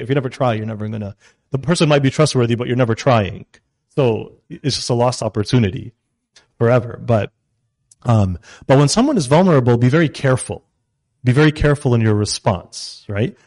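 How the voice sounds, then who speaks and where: A man's voice: mid-range voice, darkish tone, no echo, studio quality. A man, a Christian counselor, giving an informal teaching talk to a live group, often restarting sentences and checking in with the room. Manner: halting, with many restarts and "right?" check-ins.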